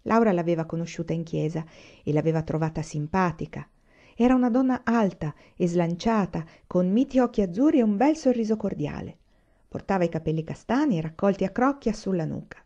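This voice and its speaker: A woman reading a story aloud in a calm, even narration. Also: mid-range voice, muffled recording. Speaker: audiobook narrator.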